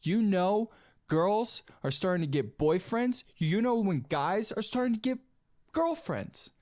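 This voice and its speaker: Animated rambling man in his twenties. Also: high voice, unhurried. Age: 20s. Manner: rambling, animated, says "dude" a lot. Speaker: podcast host. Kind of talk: casual solo podcast monologue.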